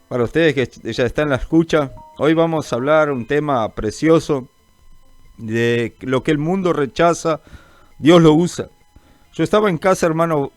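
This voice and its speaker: Chatty radio preacher, dry sound. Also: male voice, mid-range voice, dry recording. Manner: chatty, greets listeners by name, calls them brother; informal, rambling, many fillers. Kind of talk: live call-in gospel radio chat.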